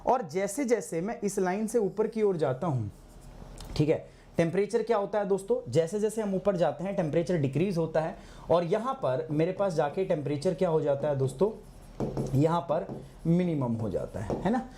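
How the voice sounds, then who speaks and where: A hoarse man teaching a live online geography class, asking his students questions and answering them himself, with English terms mixed in. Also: high voice, expressive, moderate pace, warm tone, slight background noise. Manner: clears his throat often.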